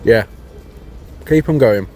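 A man recording a voice note in a public place, halting and self-conscious as he gives a prediction. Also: mid-range voice, dark tone, soft background music. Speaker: contributor sending a voice note. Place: public place with people about.

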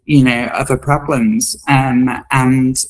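Slow-paced, thoughtful woman guest. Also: rumbling low, steady tone, low-quality recording. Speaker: interview guest, comedy performer. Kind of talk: reflective interview talk.

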